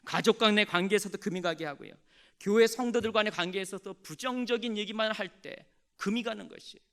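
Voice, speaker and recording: Male pastor, high and lively voice, animated sermon storyteller. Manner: animated storytelling, calls on the congregation to respond.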